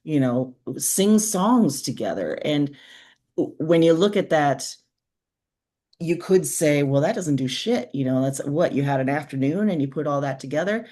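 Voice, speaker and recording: A woman's voice: deep voice, animated, a little slow, dark tone. A woman talks as a guest in a casual interview. Her delivery is earnest and informal, conversational in its phrasing and loosely peppered with everyday filler words. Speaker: interview guest, author and podcaster.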